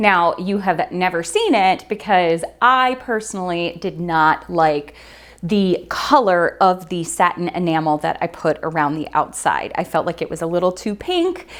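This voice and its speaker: Using an ordinary speaking voice, a woman talks at a fairly slow pace with a medium pitch and ordinary pitch variation. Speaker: fluid art painter. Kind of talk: casual talk to camera. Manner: upbeat.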